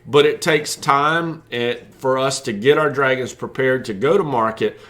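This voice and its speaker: Homem falando de forma descontraída. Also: male voice, mid-range voice, a little slow, a bit bright. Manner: conversational, folksy, many fillers. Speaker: reptile breeder. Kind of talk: casual explanatory chat.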